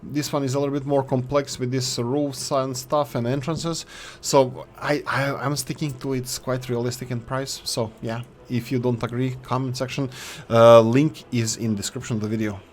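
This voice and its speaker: A man talks through game mods into a desk microphone. His voice sits at a middling pitch. He sounds chatty and enthusiastic, and he often stops and restarts his words. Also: level tone, moderate pace. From Yugoslavia. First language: Serbo-Croatian. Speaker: gaming YouTuber reviewing mods. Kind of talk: casual gameplay commentary.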